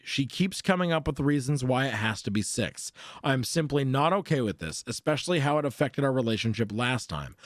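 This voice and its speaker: A man's voice: medium pitch, no echo, studio quality. A man streaming, reading forum posts aloud and breaking off to react, swear and laugh.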